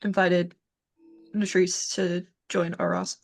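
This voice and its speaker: A woman's voice: fairly low pitch, flat delivery, slow pace, creaky. A woman chatting casually as a player in a tabletop game, wry and blunt.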